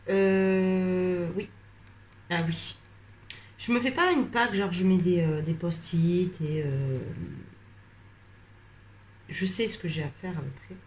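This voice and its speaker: Tired, stuffy woman, low voice. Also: darkish tone, a little hiss or hum. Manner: rambling, hesitant, many fillers and pauses. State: tired and slightly congested. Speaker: coloring vlogger. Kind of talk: casual chat while coloring on camera.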